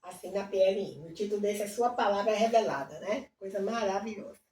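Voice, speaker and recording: A woman's voice: mid-range voice, fairly quick, a little mellow, far from the mic. A woman leading a devotional, reading hymn lyrics aloud and praying earnestly. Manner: reads hymn texts aloud, then prays earnestly. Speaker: Bible reader leading devotions. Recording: roomy sound from off-mic, faint background noise.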